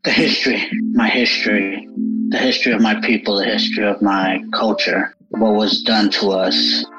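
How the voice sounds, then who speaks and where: A man's voice: fairly low pitch, level tone, moderate pace. A man from New York City, a guest on a podcast, speaking earnestly and frankly in a candid conversation. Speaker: interview guest. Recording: dull lo-fi audio with music behind.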